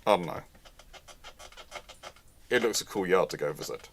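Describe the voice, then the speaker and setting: A man's voice: sits low, expressive, moderate pace. A man hosting a live question-and-answer chat, talking in a rambling way and often repeating and rephrasing himself. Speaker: host answering audience questions.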